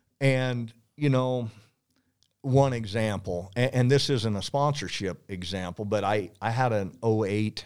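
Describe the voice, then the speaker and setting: This is a man with an American accent. The recording is very clean, with a silent background. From South Central Nebraska, US Midwest. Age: 50s. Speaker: professional predator hunter and TV show host. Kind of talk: casual interview. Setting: studio with livestream.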